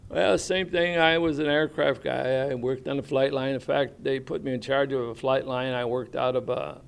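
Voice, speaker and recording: Gravelly older man recalling service. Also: medium pitch, fairly even intonation, moderate pace. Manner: rambling, plainspoken with folksy grammar and many fillers. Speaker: veteran interviewee. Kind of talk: oral history interview, casual recollection.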